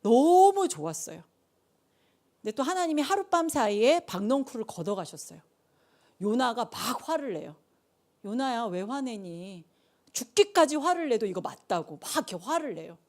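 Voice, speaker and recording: A middle-aged woman preacher giving a conversational sermon, telling the story with lively asides. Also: fairly high pitch, normal speed.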